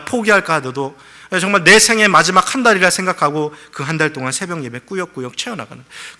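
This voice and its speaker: Man, pastor, middle-aged, very bright tone, slightly high voice, sermon, acted-out quotes. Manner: storytelling with acted-out quotes, rising to fervent pleas.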